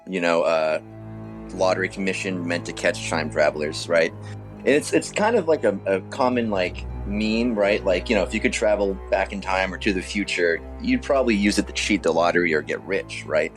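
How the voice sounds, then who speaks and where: A man's voice: deep voice, animated, moderate pace, faint music behind. An American man, an author being interviewed, explaining things informally in casual chat. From United States.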